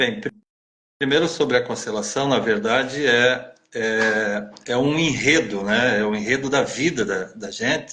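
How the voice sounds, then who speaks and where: The speaker is a man who talks at a fairly slow pace. His pitch shows ordinary variation. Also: medium pitch for a man. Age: 60s. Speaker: spiritual mentor and event organizer. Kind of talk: live stream conversation. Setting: online live stream. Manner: halting.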